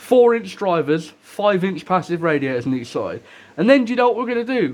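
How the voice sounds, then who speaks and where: A man speaks fairly quickly in a high voice, with an animated tone and very wide pitch swings. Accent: British. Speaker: audio gear reviewer. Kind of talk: product review.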